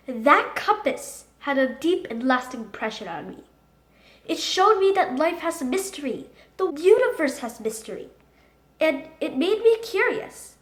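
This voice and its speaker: Lady reading a kids book out loud, super animated and bright, bit of a roomy echo. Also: high voice. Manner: expressive, dramatic. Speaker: children's book read-aloud host. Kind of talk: animated storybook narration. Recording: echoey room.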